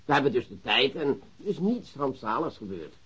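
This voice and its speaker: Sly commissioner: mock-polite, hesitant, very varied intonation, slightly muffled radio-play sound. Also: male voice, medium pitch, sing-song, fairly bright tone, husky, exaggerated voice. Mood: mock-friendly. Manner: unhurried, hesitant, falsely polite. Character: sly, mock-courteous police commissioner interrogating a suspect. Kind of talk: Dutch radio play acting. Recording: dull lo-fi radio drama recording.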